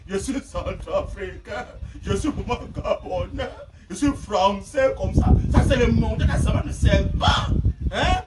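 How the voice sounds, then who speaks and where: High-pitched, shouting preacher. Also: male voice, takes it slowly. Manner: impassioned, shouting, laughing between phrases. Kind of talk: fiery sermon. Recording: distant mic with faint noise.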